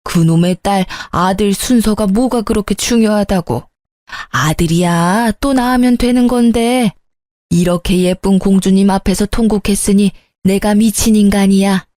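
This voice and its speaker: An older grandmother past sixty, softened and remorseful, cooing over a baby and gruffly owning her mistakes, as a woman narrator puts her on. Her tone is warm and mellow, set in a dry, close recording for a spoken story. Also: mid-range voice, normal speed, no echo, lightly acted. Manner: doting baby talk, then gruff apology.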